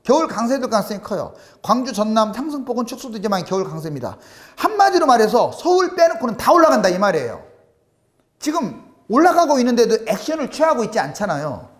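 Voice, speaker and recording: A man talks alone through a series of charts, pressing his points and firing off rhetorical questions. His voice sits high for a man and swings widely in pitch as he stresses each figure. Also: big pitch swings, fast talker. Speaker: real estate commentator. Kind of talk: solo commentary over charts.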